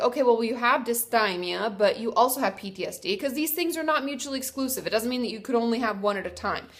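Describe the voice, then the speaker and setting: A woman's voice: a little high, fairly bright tone. A young woman therapist with a congested, stuffy voice from a cold. She sounds a little tired as she talks through viewer questions and reads them out in a friendly, explaining way. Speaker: therapist and video host. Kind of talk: casual advice talk to camera.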